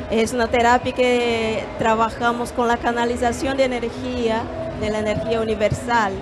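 A Brazilian woman yoga teacher speaking Spanish in a gentle, measured way with small hesitations, on a handheld mic at a fair stand. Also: a little high, noisy background. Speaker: yoga teacher and holistic therapist. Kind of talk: calm explanatory interview answers. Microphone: handheld microphone.

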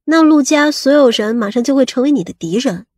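A woman playing a sharp-tongued, coquettish lover in an audiobook, pouting and reproachful. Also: high-pitched, animated, a little fast, dry recording, studio quality. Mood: wary, reasoning.

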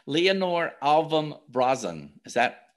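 A man's voice: fairly high pitch, big pitch swings, slow pace. A man hosting a podcast interview, talking in a hesitant way with many restarts. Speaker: podcast host.

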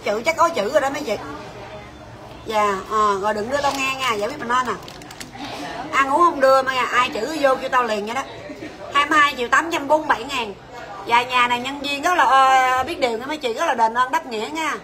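A woman's voice: high voice, fairly quick, crowd noise. A woman selling jewelry on a livestream from her shop, chatty and bossy, teasing her staff and calling out prices. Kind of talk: livestream sales pitch.

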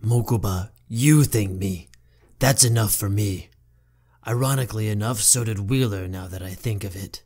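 A man playing a haughty young businessman and older brother in a fan audio drama, speaking in a measured, formal, dry way. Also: fairly low pitch, darkish tone, lightly acted. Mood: dry, aloof.

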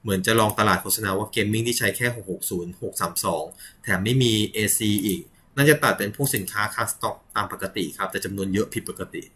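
A man's voice: lowish voice, pushed and bright. A man hosting a casual tech news show, reading headlines and viewer comments with frequent polite particles, small slips and short laughs. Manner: reads news items with filler particles and quick laughs.

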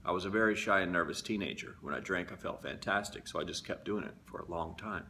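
Candid, reflective man with a bright voice. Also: lowish voice, a little hiss or hum. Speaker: vlogger. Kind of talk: casual talk to camera.

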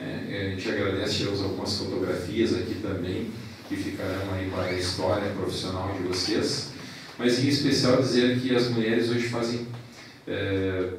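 A man in his forties, president of a professional council, giving a formal ceremony speech into a handheld mic in a large hall. He speaks in a measured way, listing thanks and points with pauses. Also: lowish voice, a little hiss or hum. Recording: echoey hall from a distance.

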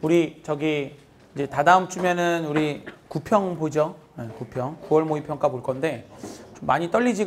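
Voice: medium pitch, darkish tone, a little hiss or hum. A math teacher talking casually and directly to exam students, rambling with many fillers and acting out panicked students in quoted lines. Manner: acts out students' panicked messages in quoted voices. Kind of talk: casual encouraging talk to students.

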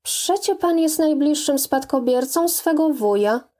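An anxious young lady of an old country manor, voiced by a woman reading an audiobook. She pleads earnestly in a fairly high, unhurried voice. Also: animated, dark tone. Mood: pressing.

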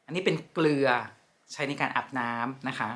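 A woman teaching pronunciation in a lesson, speaking slowly and deliberately and repeating each word carefully. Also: rumbling low, fairly bright tone. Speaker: French language teacher.

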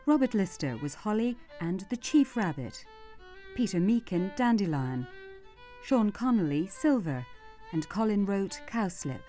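A woman's voice: medium pitch, big pitch swings, measured pace, warm tone, faint music behind. A British woman reading scripted closing credits as a radio announcer.

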